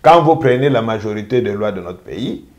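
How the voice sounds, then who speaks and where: A man speaking as a jurist, making a measured, emphatic legal argument and driving points home by repeating them. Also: on the low side, expressive, darkish tone, dull audio. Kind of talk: interview commentary.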